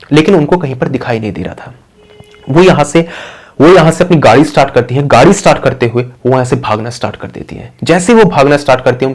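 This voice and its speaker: A man telling a real-life horror story in a low-key storytelling manner. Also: darkish tone. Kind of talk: storytelling narration.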